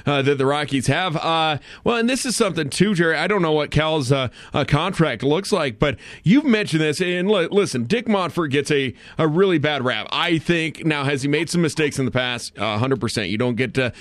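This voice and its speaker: Brief: male morning radio host, slightly high voice, brisk and upbeat, dry close studio mic. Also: expressive, no room sound. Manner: upbeat, brisk, leads the conversation.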